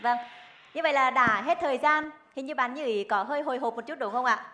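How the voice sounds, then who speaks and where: A woman's voice: high voice, a little fast, pushed and bright. A young woman hosting a game show, reading quiz questions in a formal, articulate way into a headset microphone. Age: young adult. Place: TV studio stage.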